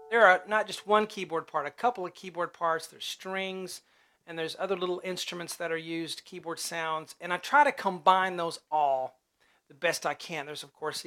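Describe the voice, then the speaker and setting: A man with a high voice teaching a piano piece step by step, chatting casually as he calls out note names and hums the riffs. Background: loud piano playing.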